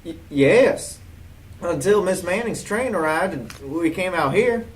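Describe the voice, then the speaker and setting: A man's voice: high-pitched, lively intonation, measured pace. A man playing a nervous husband in an amateur radio-style mystery play. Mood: uneasy. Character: nervous husband shocked by his wife's murder. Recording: distant mic with faint background noise.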